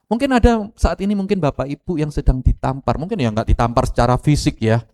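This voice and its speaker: Man, east javanese accent, lively sermon, middle-aged, speaks to the congregation, acted quotes. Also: fairly high pitch, fast talker. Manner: animated, addresses congregation directly, mixes Javanese phrases. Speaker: pastor.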